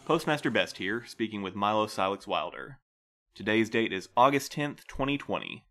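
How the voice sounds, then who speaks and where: A man playing a calm, patient middle-aged postmaster who interviews new couriers, speaking gently and in a measured way. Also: on the low side. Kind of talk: audio drama acting.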